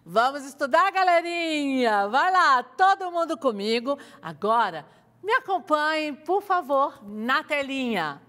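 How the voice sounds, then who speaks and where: A woman's voice: sits high, big pitch swings, unhurried, a bit bright, long reverb tail. A woman teacher with a Brazilian accent from Goiás, giving a televised lesson and coaxing her students with questions. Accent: Brazilian Portuguese, Goiás.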